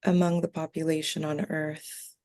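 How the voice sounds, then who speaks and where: A woman speaking as a trance medium for a calm collective of extraterrestrial beings, in halting, solemn, formal phrases. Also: low voice. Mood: solemn, detached. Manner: halting short solemn phrases with long breaks, formal wording. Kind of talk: trance channeling, seance medium.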